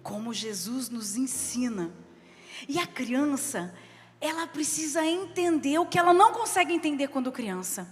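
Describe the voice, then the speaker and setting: A woman's voice: high voice, expressive, normal speed. A woman bishop with a Brazilian Portuguese accent preaching a sermon, reading scripture and explaining it with stories from her own family. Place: church service hall. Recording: reverberant hall with faint music behind.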